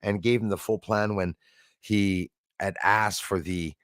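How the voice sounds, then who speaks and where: A man's voice: fairly low pitch, fairly even intonation, a little slow, fairly bright tone, no room sound, clean studio sound. A man in his sixties hosting a casual live stream, chatting in a rambling way and thanking viewers by name. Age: 60s.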